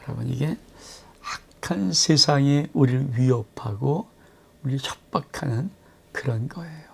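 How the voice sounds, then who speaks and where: Brief: gravelly-voiced male pastor, earnest Bible reading with commentary. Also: medium pitch, a little slow. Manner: reads scripture aloud, then explains it earnestly to the congregation.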